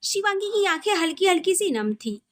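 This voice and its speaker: A woman's voice: extremely high pitch, big pitch swings, moderate pace, a bit bright. A woman storyteller reading a scripted romantic story.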